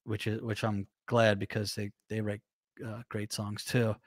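A man in his thirties with a nasal voice, a guest musician chatting casually over a video call from a home music room, animated and acting out his own quoted thoughts. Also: on the low side, unhurried, no room sound, clean studio sound. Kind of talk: casual interview chat.

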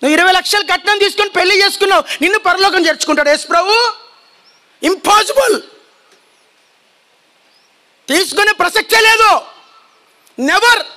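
A man preaching with fire to a congregation, his voice very high and sharp. He shouts his warnings and keeps pressing the listeners to answer and repeat after him. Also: rapid-fire, hardly any pauses. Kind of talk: fiery sermon. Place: church hall before a congregation.

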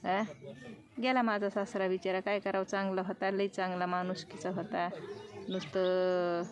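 A woman's voice: medium pitch, little pitch movement, measured pace, muffled recording, a crowd in the background. A middle-aged woman chatting casually to her viewers in a village vlog, checking in with "hm?" and "haan?" as she talks. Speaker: village vlogger. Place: outdoors in a village.

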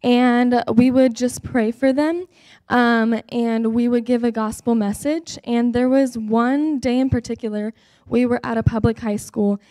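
A young woman gives an upbeat testimony from a church stage into a handheld mic. Her voice is fairly high and dry, and she fills her pauses with ums. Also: steady tone, mellow, no room sound. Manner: earnest, many ums, upbeat. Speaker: guest speaker.

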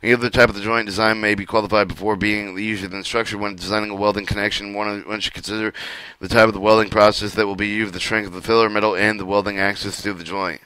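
Halting man reading a technical manual. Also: lowish voice, flat delivery, pushed and bright, clear, resonant tone, dry recording, low-quality recording. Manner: halting, frequent stumbles and restarts over words. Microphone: screen recording with voice-over.

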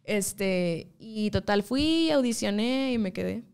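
A woman's voice: mid-range voice, slow, gravelly, smooth. A young woman from Mexico, chatting as an interview guest and telling stories with slang and frequent laughter. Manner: animated storytelling, laughs often, slangy. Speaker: guest singer. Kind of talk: casual interview chat.

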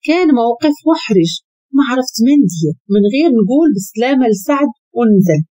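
A woman with a Moroccan Arabic accent telling a first-person story as narrator, voicing the quoted lines higher. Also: expressive, fast talker, dark tone, breathy edge.

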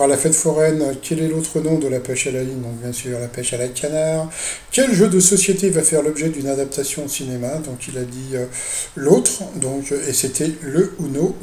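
A man's voice: fairly high pitch, warm tone, a little hiss or hum. A man giving casual, mocking commentary on a TV quiz show for his video channel, hesitating often with fillers. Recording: echoey room.

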